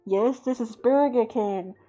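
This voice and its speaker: A woman putting on the flat, repetitive voice of a fast-food drive-through worker taking orders over the speaker. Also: fairly high pitch, soft background music. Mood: deadpan. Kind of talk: comic impression on a live art stream.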